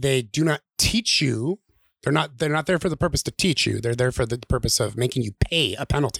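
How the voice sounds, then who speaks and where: With a normal speaking voice, a man at medium pitch talks fairly quickly with lively intonation, the sound dry and close with no echo. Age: 40s. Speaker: podcast host and parent. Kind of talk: casual conversational podcast chat.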